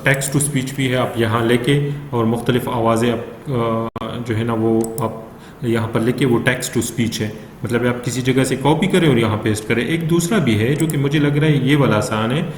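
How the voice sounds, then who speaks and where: A man with a South Asian accent gives a casual software tutorial, explaining informally step by step. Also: medium pitch. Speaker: tutorial presenter. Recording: noticeable background noise.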